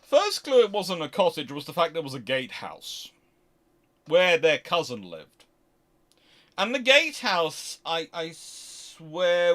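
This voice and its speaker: British guy doing a casual q&a stream, kinda high sharp voice, rambles and keeps cutting himself off. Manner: rambling, halting, animated anecdotes with self-interruptions. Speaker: host answering viewer questions. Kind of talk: casual livestream question-and-answer chat.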